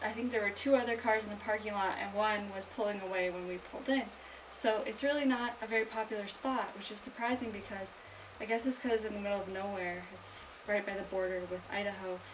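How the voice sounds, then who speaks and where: Talking at a very fast pace, a woman keeps her intonation fairly even over noticeable background noise. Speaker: travel vlogger. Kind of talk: casual vlog chat. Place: open country. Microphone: camera far.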